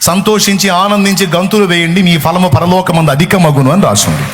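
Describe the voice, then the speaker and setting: A male pastor delivering an impassioned sermon. His voice sits a little high. He keeps pressing his listeners with rhetorical questions. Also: a little fast, fairly bright tone, slight background noise.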